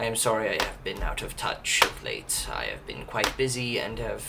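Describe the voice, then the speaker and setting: Over clear background noise, a man does a raspy, put-on character voice. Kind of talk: formal, polite.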